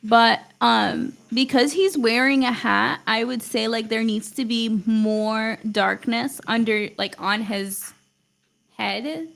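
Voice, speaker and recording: Drawing live for her stream, this young art teacher speaks slowly in a fairly high, gravelly, fry-heavy voice with a fairly bright tone. English is her second language, and her casual chatter wanders, with "like" dropped in constantly.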